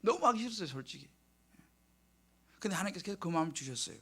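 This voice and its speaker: A male pastor preaching a midweek sermon, telling a personal story with lively delivery and acting out his own prayers in hushed tones. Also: high-pitched, very fast, slightly rough. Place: church sanctuary.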